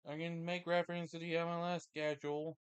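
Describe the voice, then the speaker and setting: Smooth-voiced man chatting casually. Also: on the high side, flat delivery, a little fast, dry recording. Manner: rambling, thinks aloud, repeats himself. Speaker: sports commentator. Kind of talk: casual stream chat.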